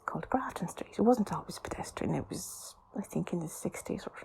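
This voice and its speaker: A woman's voice: lowish voice, lively intonation, fairly quick, gravelly, warm tone, slightly rough. A woman with an Irish accent does an intimate whispered role-play as a rambling, chatty tour guide, speaking breathily to the listener as a companion.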